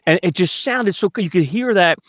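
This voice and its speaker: A man's voice: high-pitched, fairly quick, no echo, clean studio sound. A man, a voice actor guest, talking enthusiastically on a podcast. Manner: enthusiastic, animated when recalling scenes. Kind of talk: casual podcast discussion.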